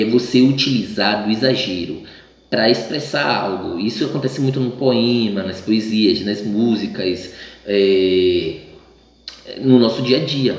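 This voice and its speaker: A male teacher from Bahia, Brazil, giving a casual class lesson, stumbling and restarting often and acting out the voices he quotes. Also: lowish voice. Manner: chatty, acts out quoted voices, many restarts. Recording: very echoey room.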